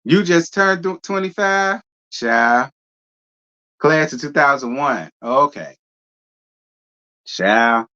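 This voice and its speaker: A man's voice: fairly high pitch, lively intonation, slow, pauses often, pushed and bright, highs cut off. A man in his thirties hosting a casual live stream, reading viewer comments and answering with a sassy, drawling manner and frequent laughter. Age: 30s. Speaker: host reading live chat.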